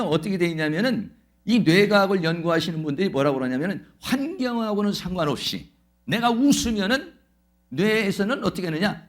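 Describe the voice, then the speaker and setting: A male pastor preaching a Sunday sermon, fervently proclaiming declarations and answering his own questions. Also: high-pitched. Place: church Sunday service.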